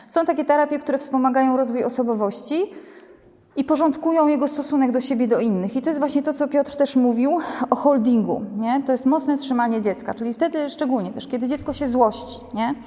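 Lively woman lecturing in a reverberant hall. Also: high voice, normal speed. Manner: conversational, ends many sentences with a checking "nie?"; animated, acts out quotes. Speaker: lecturer on child behavior. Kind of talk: lecture to a group.

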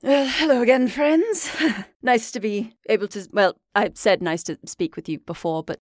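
A suave vampire lord host, as a woman puts him on, smooth and theatrical. The sound is dry and close, with no room around the voice. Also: medium pitch, normal speed, dry recording, lightly acted. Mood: weary. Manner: smooth, theatrical, later weary and awkward.

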